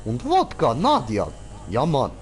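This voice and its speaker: A man's voice: medium pitch, wildly swooping pitch, measured pace, slight background noise. A man with a Swiss German accent chatting casually as he streams a game, exclaiming and repeating words in bursts. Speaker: streamer playing GTA Online with a friend. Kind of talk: casual live gaming chat.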